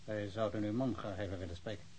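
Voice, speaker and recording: Actor as mellow, courteous police inspector. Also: male voice, fairly low pitch, steady tone, quick pace, a little hiss or hum, lightly acted. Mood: polite, firm. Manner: courteous, dry, musing. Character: polite, reflective police inspector, uneasy at his duty. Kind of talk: radio drama acting.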